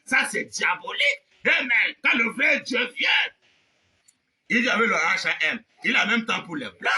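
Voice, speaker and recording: A man preaching a fervent revivalist sermon, shouting and exhorting with repeated phrases, rhetorical questions and amens. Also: sits high, expressive, moderate pace, recorded from a distance.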